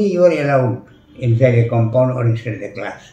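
With lively intonation, a man talks in a room with audible echo. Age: 80s+. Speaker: doctor. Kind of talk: interview answer. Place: home room.

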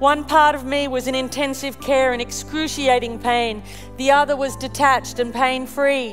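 In an Australian accent, a woman speaks in a high pitch with monotone, flat intonation. Faint music sits in the background. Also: moderate pace. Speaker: keynote speaker. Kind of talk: inspirational keynote talk.

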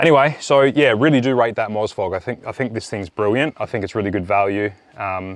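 Ordinary pitch variation in a dry sound with no echo. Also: man, fairly low pitch for a man. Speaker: camping gear reviewer. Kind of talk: casual product review to camera. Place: open country. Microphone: lapel.

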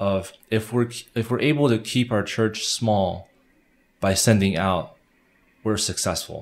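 A man talks at a fairly low pitch and a fairly slow pace, leaving long, frequent pauses. His pitch varies in an ordinary way, his loudness is very even, and the recording is very clean with a silent background. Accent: American. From Southern California. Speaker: missionary and campus minister. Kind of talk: casual interview. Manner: halting, many fillers.

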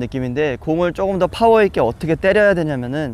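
Very fast speech from a man, lively in intonation, with a dry sound and no echo. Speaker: tennis coach. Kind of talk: tutorial. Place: open country. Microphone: lapel.

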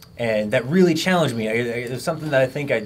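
A man talking very fast with ordinary pitch variation, faint music in the background. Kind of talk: casual group discussion. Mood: reflective, thoughtful. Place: garden. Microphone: camera far.

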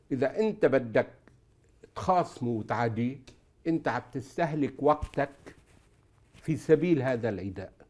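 A fairly high-pitched man at a very slow pace, with long, frequent pauses and lively intonation. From Lebanon, Mount Lebanon village; Lebanon. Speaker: retired diplomat; interview guest. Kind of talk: interview. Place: studio. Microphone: lapel.

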